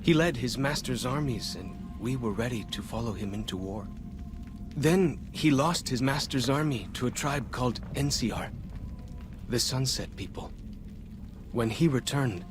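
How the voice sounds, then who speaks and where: A man playing a young, earnest tribal scout and guide in a video game, plain-spoken with simple, slightly halting phrasing. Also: medium pitch, lightly acted. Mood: solemn. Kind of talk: video game cutscene dialogue.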